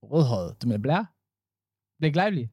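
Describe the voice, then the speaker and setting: A man co-hosting a podcast in casual chat, telling lively stories and dropping English slang like "bro" and "man". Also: medium pitch, husky, no room sound, studio quality. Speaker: podcast co-host.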